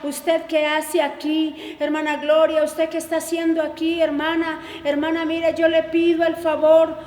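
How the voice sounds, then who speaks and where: A woman's voice: extremely high pitch, completely flat delivery, measured pace, a little mellow. A woman voicing a tormented woman in hell who cries and begs to be freed. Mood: begging. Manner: crying, begging. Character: anguished condemned woman pleading from hell. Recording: echoey hall reverb.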